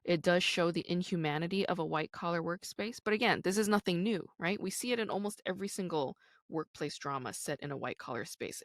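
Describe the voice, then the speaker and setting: A woman in her thirties hosts her own podcast solo, chatting candidly and casually and leaning heavily on "like" and "you know." Her voice sits low, and the recording is dry with a clean studio sound.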